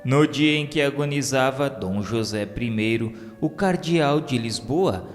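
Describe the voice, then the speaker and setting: A man's voice: mid-range voice, expressive, a little slow. A man with a Brazilian accent reads a scripted religious radio novela as narrator, in a solemn, formal manner. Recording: long hall reverb under music. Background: music.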